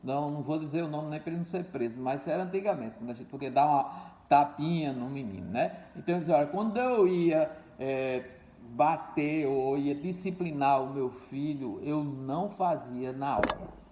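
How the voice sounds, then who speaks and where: A man's voice: a little high, moderate pace, warm tone. An older man preaching a sermon, repeating key words and calling his listeners dear ones and brothers. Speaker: pastor. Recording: echoey room, dull lo-fi sound.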